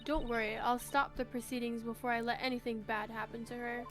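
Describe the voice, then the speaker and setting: A woman with a high voice joins a game playthrough as co-player. She chats casually and reads out character lines into a headset mic. Game music plays faintly behind her. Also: level tone, a little fast, a bit bright. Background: video game music.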